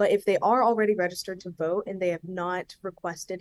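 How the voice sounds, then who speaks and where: In an unremarkable speaking voice with an American accent, the speaker goes at a fairly quick pace, with a dry, close sound and no echo. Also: woman. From US, Georgia. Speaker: student voter registration volunteer. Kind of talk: casual interview. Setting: video call.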